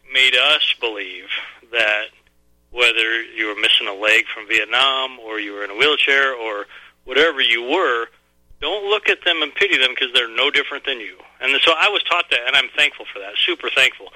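A man in his forties calls in to a radio talk show. His tone is very bright and forceful, and he speaks earnestly with some halting. The sound is dry and close. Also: medium pitch, no echo, poor audio. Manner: earnest, rambling, a little halting. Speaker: caller. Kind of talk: phone-in call to a radio show.

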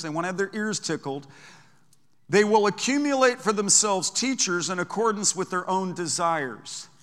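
A man's voice: sits high, pushed and bright. An older man preaching a sermon as pastor, emphatic, stretching out key phrases. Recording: long hall reverb.

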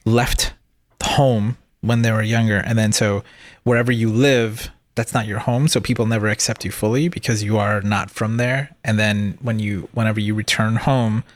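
A man with a fairly low voice talks through an idea in a halting, thoughtful way, restarting his sentences often. The sound is dry and close, with no room around it. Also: steady tone, no echo. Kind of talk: casual chat about a show.

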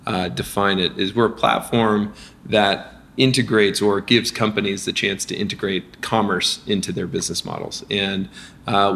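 Low-voiced founder talking shop. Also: male voice, creaky, a little hiss or hum. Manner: energetic, many restarts and fillers. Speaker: startup founder, guest. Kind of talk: casual business interview.

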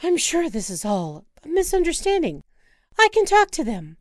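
A woman voicing an excitable, gushing wife who loves penguins. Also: high-pitched, normal speed, no room sound, clean studio sound, pitched above the performer's own voice. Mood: excited. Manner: gushing, squealing, giddy. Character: excitable penguin-loving middle-aged wife.

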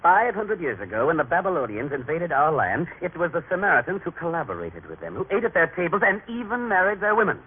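A man's voice: a little high, sing-song, fast talker, few pauses, phone-quality sound. An actor playing a proud, emphatic family father in an old radio drama, with a theatrical, paternal manner. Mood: indignant, stern. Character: proud, stern, affectionate husband and father, prejudiced. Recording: noisy, band-limited vintage radio recording.

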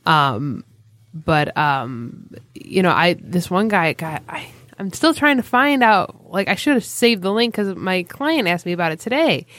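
A woman's voice: on the low side, very animated, unhurried, a bit bright. A woman co-hosting a podcast, talking in a chatty, casual way with some swearing and playful teasing. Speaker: podcast co-host. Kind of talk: casual chat.

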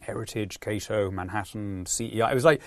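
Speaking with a British accent, a Peruvian-born politician based in England talks lively as a podcast guest, voicing quotes and frequently starting over. He has a lowish, brisk voice, recorded dry with clean studio sound.

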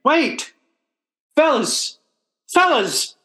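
A man acts a well-meaning working-class bumbler in an old-time radio comedy. His high, bright voice swings lively as he stammers through clumsy grammar and flustered explanations. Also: extremely slow, soft background music, heavily acted. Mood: flustered, pleading. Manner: stammering, ungrammatical blue-collar talk.

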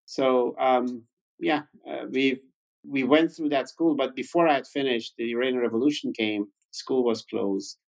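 A man's voice: mid-range voice, normal speed, gravelly, darkish tone, low-quality recording. A man in his fifties from Iran, a native Farsi speaker, telling his story conversationally as an interview guest. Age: 50s. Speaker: interview guest, tech founder.

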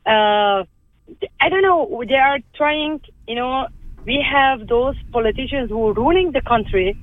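Speaking as a guest in a conversational interview, a woman from Lebanon whose first language is Armenian comes through a phone line with a high voice and no room sound. She talks earnestly but haltingly, restarting often.

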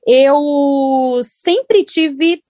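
A woman's voice: sits high, extremely slow, mellow, no room sound. A woman from Brazil with a Brazilian accent, chatting casually as an interview guest and often seeking agreement. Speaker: podcast guest.

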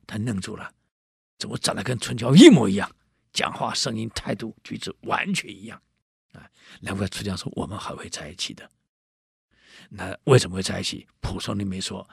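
Gravelly man telling a folk tale. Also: lowish voice, no echo, studio quality. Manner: lively, chatty, with asides to listeners. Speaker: storyteller. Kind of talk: casual oral storytelling to an audience.

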